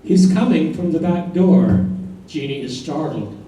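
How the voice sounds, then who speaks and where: A man's voice: a little high, lively intonation, unhurried, mellow. A man playing an earnest narrator in a staged reading of a play. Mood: narrating. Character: earnest storytelling narrator of a couple's life. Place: live staged reading in a room. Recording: very echoey room from a distance.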